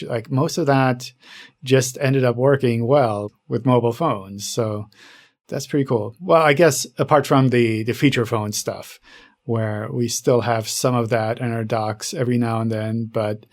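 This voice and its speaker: Casual male podcast host, musing and conversational. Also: medium pitch.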